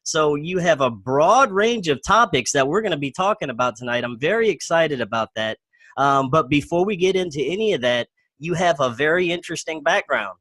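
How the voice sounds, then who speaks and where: Male show host, fairly high voice, upbeat and admiring. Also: a bit bright. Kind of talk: hosting an interview.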